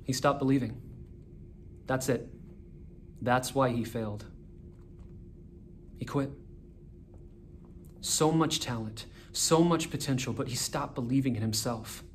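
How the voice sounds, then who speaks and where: Male actor, 20s, mid-range voice, for a searching, reflective dramatic soliloquy; faint room noise behind. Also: mid-range voice. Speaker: actor performing a monologue. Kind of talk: dramatic monologue. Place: small indoor room with a wall-mounted TV. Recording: noticeable background room noise.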